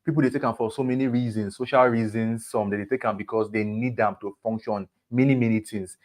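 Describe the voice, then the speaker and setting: A man's voice: fairly low pitch, steady tone, brisk, darkish tone. A man with a Nigerian accent hosting a live-streamed health talk as a doctor, speaking directly to viewers in an emphatic way. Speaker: host, doctor.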